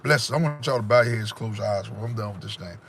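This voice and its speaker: Heavy background noise sits under a gravelly, low-leaning male voice that runs at a quick pace. He hosts a casual livestream of motivational talk, pressing preachy, emphatic advice on his viewers via a phone or webcam in front of him.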